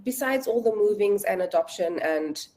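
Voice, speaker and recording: South African woman, 20s, warm mellow tone, relaxed talkative interview guest. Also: medium pitch, normal speed. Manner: chatty, laughs easily, many fillers. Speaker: guest, language tutor. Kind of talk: casual conversational interview.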